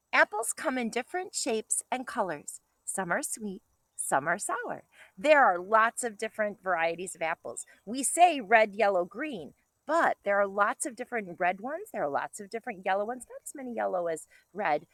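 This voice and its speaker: Expressive woman teacher with lively, higher-pitched voice. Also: gravelly, dry recording. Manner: enthusiastic, expressive, with questions to the young listeners. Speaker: kindergarten teacher reading a picture book to pupils. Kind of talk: read-aloud lesson for young children with chatty asides.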